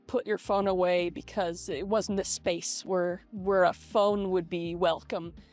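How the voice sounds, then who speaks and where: Over music in the background, a woman speaks at a fairly slow pace and a medium pitch with fairly even intonation. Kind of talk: casual talk to camera. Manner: hesitant, rambling.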